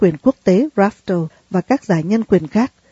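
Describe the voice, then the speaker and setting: The woman's intonation is lively. Her voice comes out somewhat breathy. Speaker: radio announcer. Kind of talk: scripted narration. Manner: formal.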